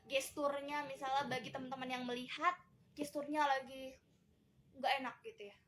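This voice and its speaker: An Indonesian woman counselor talking casually about parenting teenagers, chatty and acting out quoted lines in lively voices. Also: high-pitched, moderate pace, slight background noise. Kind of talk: casual talk on parenting teens.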